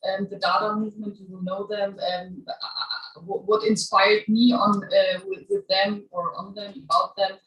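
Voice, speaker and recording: A woman with a German accent talks to a live audience in a small venue, stopping, restarting and laughing now and then. Her voice comes from some distance off the mic. The room gives it a clear echo. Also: mid-range voice, flat delivery, dull audio. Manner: halting, many restarts, laughs as she talks. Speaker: guest writer giving a reading. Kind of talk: informal introduction at a public reading. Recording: echoey room, voice from far off.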